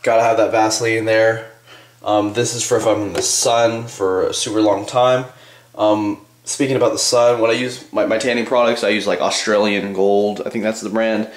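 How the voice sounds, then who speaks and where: A man's voice: on the low side, level tone, moderate pace, echoey room. A man in his twenties chatting casually and offhandedly to viewers in a rambling vlog, recorded on a handheld camcorder in a small bathroom. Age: 20s. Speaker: bodybuilding vlogger. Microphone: handheld camcorder at arm's length.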